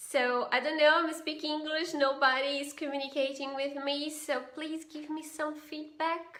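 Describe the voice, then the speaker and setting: Monotone, flat intonation in a bright, sharp tone with a Portuguese accent and hardly any pauses. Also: woman, high pitch for a woman, moderate pace. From Brazil. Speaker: English teacher. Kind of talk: live stream Q and A. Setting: Facebook live stream.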